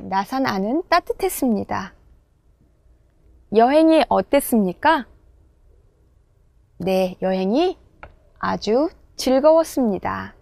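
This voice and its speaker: Brisk woman teaching in a dry booth. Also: a little high, expressive, darkish tone, dry recording. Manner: clear, measured model pronunciation. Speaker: Korean language teacher. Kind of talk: textbook lesson dialogue reading.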